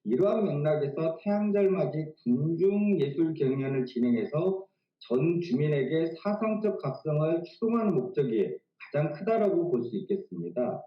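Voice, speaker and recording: Male analyst, formal interview commentary, raised pitch, echoey room sound. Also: expressive, normal speed, dull audio. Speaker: expert analyst.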